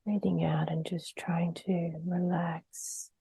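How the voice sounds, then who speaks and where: A woman guides a meditation in a lowish, very husky voice, gentle and slow to move on. Her phrases are soft and breathy, often sinking almost to a whisper. The sound is close and dry, with long pauses between instructions. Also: level tone, no echo.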